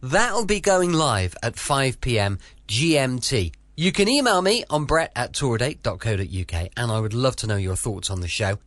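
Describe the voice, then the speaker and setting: A British man hosting an old-time radio podcast, signing off in a friendly, relaxed way. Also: mid-range voice, moderate pace, no room sound. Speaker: podcast host. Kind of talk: casual show outro.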